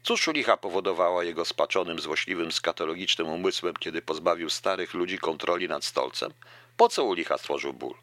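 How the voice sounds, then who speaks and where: A man's voice: sits low, brisk, a bit bright, no echo. A man voicing a bitter, sarcastic young airman who mocks and rants, read from a book. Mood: scornful rant. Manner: mocking, ranting.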